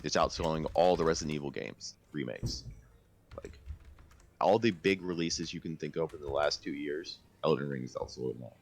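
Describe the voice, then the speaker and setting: A man's voice: a bass voice, normal speed, creaky. A man co-hosting a casual podcast, talking about video games in an emphatic, enthusiastic way. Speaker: podcast co-host. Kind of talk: casual video game discussion.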